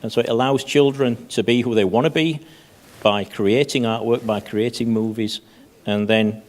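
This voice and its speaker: A man speaking on a conference panel as a head of safety, halting and often repeating words. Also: mid-range voice, steady tone. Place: conference stage.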